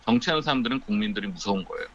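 A man explaining things casually in slightly awkward, halting with English words mixed in, often answering his own questions. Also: fairly low pitch, expressive, a bit bright, highs cut off. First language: English or non-Korean; Korean is his weaker language. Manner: explains step by step, poses questions and answers them himself. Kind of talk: casual explanatory political talk.

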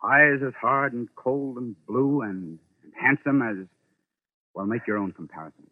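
Man playing a shrewd wry sleuth, theatrical probing delivery, husky medium-pitched voice, 1940s radio drama, tinny recording. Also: measured pace, natural voice. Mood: sardonic, pressing.

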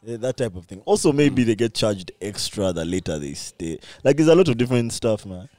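A man's voice: fairly low pitch, expressive, a little fast, warm tone, dry recording. A man, bantering casually as a podcast co-host in slangy, repetitive phrases. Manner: slangy, repeats phrases for emphasis.

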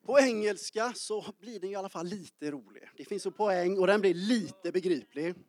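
A pastor in his early forties preaches a lively sermon in church, joking around and calling out to people in the pews. His voice is high-pitched, and the recording has no room sound.

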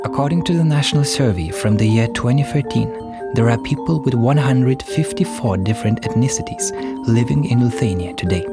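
A man hosting a podcast, reading a scripted narration in a measured way. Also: mid-range voice. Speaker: podcast host. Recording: music bed underneath.

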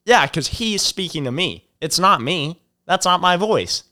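A young man chatting casually on a podcast, telling rambling stories in a relaxed way and laughing often. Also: high voice, measured pace. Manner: rambling, laid-back storyteller, laughs a lot. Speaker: podcast co-host. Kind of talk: casual chat.

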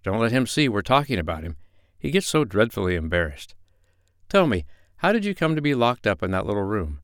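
A man voicing a kind, cheerful animal doctor in a storybook, speaking gently and reassuringly. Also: fairly low pitch, sing-song, brisk, no echo, studio quality.

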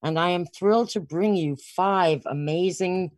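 A woman's voice: lowish voice, unhurried, darkish tone, no echo, clean studio sound. A woman hosting a podcast, introducing guests with an enthusiastic, welcoming manner. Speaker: podcast host.

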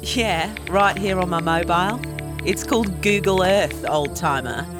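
Loud music plays behind an actress as a cool woman adventurer in an audio drama. She is sly, teasing and self-assured, in a fairly low voice. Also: measured pace, natural voice. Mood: dry.

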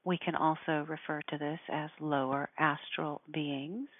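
A woman speaking in a measured, deliberate way, giving spiritual instruction and guided meditation. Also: low voice, steady tone, no echo. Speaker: spiritual teacher guiding listeners. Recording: narrow phone-like sound.

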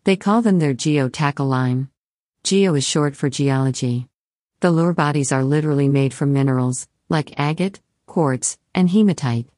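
A woman's voice: sits low, moderate pace, darkish tone, no echo. A woman co-hosting a scripted chat in a dry, matter-of-fact way. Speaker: podcast co-host.

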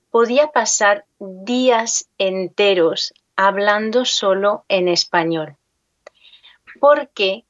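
Slow-spoken woman, Spanish speaker. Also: mid-range voice, no room sound, muffled recording. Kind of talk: conversational interview about personal experience.

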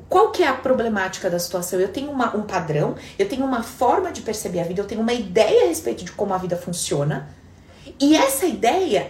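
A woman's voice: mid-range voice, reverberant. A woman coach with a stuffy nose and sore throat, giving a live-stream talk and acting out quoted voices. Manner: expressive, acts out quoted voices. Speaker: hypnotherapist and coach.

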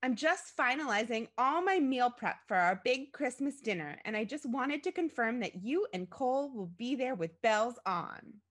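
A woman's voice: on the high side, animated, moderate pace, few pauses, a bit bright, pitched above the performer's own voice. A woman reading a story aloud and voicing an effusive, anxious, gushing mother with an overdramatic manner.

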